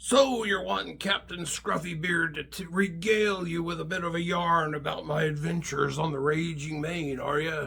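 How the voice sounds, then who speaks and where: A put-on character voice, growling and raspy, runs on with hardly any pauses. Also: man, high pitch for a man, moderate pace. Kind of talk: pirate tall-tale narration. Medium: read story. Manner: growling, boastful, punctuated with "arr".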